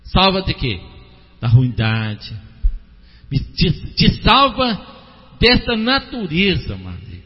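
Lively husky-voiced man preaching in a hall. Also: high-pitched, takes it slowly, pauses often. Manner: animated, swings between loud exhortation and soft prayer; addresses listeners by name, asks them to respond. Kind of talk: sermon. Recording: dull, lo-fi, echoey hall recording with hum.

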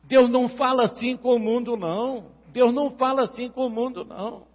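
A man with a Brazilian Portuguese accent preaching a sermon to his congregation, calling members by name and rising into loud, impassioned passages. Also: very high-pitched, fairly even intonation, fairly quick, breathy edge. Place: church. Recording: reverberant church hall, dull lo-fi sound.

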